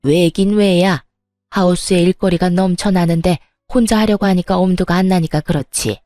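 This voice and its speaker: A woman's voice: on the low side, fairly even intonation, moderate pace, mellow, dry recording, clean studio sound, faint music behind, natural voice. A woman voicing a sneering, hectoring mother-in-law. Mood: furious. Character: angry scolding middle-aged mother-in-law. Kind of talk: storybook narration.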